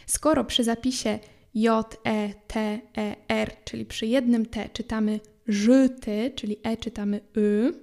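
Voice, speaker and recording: Mellow-voiced Polish-speaking woman teaching French. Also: fairly high pitch, steady tone. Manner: clear and explanatory, spells out letters slowly. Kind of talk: podcast language lesson.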